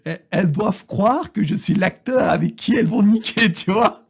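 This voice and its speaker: A man's voice: high voice, normal speed, creaky, slightly rough. A young man from France telling a crude, slangy comic story about a trip, full of swearing and laughing asides. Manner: slangy, vulgar, animated, often laughing. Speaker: vlogger.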